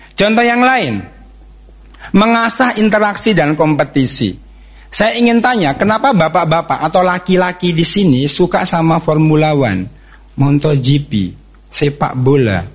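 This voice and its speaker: A middle-aged man giving a lively religious seminar talk, jokey and animated, putting questions to the audience. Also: sits high. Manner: animated, jokey, asks the audience questions, acts out quick exclamations. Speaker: speaker at a parenting and youth talk.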